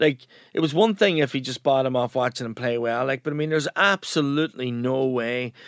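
With an Irish accent, a man talks at a fairly quick pace and medium pitch with ordinary pitch variation, his dry, close sound free of echo on a very clean recording with a silent background. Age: 40s. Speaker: chef and podcast host. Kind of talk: casual chat.

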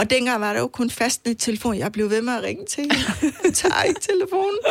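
Very wide pitch swings from a woman's high voice at a moderate tempo. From Iran. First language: Persian (speaking Danish). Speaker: social educator and refugee. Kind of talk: life story interview.

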